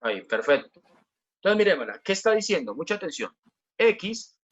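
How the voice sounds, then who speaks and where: A man's voice: sits high, sing-song, normal speed. A man teaching a physics class online, explaining step by step, repeating key points and asking the students questions.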